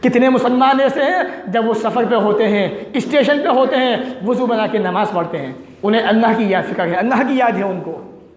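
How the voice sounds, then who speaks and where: High-voiced preacher in an echoey hall. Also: male voice, moderate pace, a crowd in the background. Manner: urgent, rhetorical, chanting lists of sins. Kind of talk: fiery sermon.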